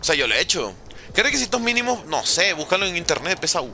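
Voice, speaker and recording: A man's voice: high voice, big pitch swings, quick pace, music in the background. A man streaming live gameplay, commenting and joking playfully with chat while using Mexican slang. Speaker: gaming streamer.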